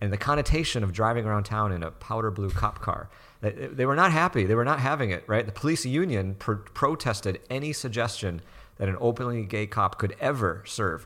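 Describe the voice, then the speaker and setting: Speaking in a plain, everyday voice, a man talks at a fairly quick pace with a medium pitch and lively intonation. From Michigan (Saginaw). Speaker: political candidate. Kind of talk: interview.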